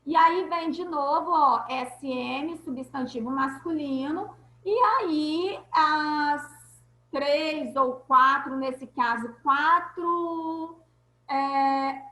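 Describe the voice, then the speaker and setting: A woman teacher leads an online class in a high, bright voice. She explains each point slowly and checks that her students follow. The sound is echoey, as if in a bare room.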